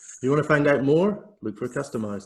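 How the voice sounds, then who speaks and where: A man speaks in a somewhat breathy voice. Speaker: podcast co-host, tech business owner. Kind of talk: casual chat.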